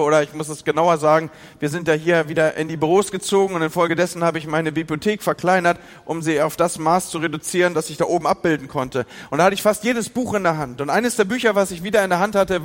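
A man preaching as a pastor, moving between loud outcries and quiet, intimate passages. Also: sits high, big-room sound. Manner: emotional, swings from loud outcries to hushed intimacy. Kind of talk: sermon.

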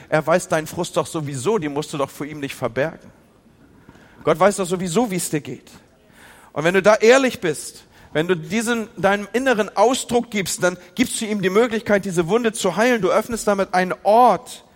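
A man preaching as a pastor, moving between loud outcries and quiet, intimate passages. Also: high voice, long reverb tail. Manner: emotional, swings from loud outcries to hushed intimacy. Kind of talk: sermon.

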